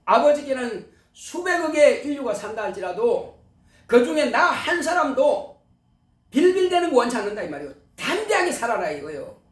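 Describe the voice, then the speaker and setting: Male pastor, emphatic sermon delivery, high animated voice, recorded far off in a roomy sanctuary. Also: moderate pace. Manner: emphatic preaching, rhetorical questions to the congregation. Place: church sanctuary.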